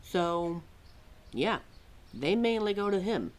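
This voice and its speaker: A quirky, motherly keeper of forgotten lore, played by a woman in an audio roleplay. She speaks slowly in a low female voice that rises and falls a great deal. Her manner is wry and a little exasperated, with musing asides to the listener. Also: expressive. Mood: musing, informative. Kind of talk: ad-libbed ASMR-style roleplay, talking to a listener.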